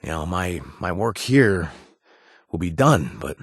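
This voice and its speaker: An actor voicing an easygoing, money-minded bartender ally in a video game, chatty, with lots of little chuckles and filler words. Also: male voice, low voice, big pitch swings, unhurried, slightly rough, no echo, studio quality, exaggerated voice. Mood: earnest. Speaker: game companion character. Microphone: close studio mic, dry.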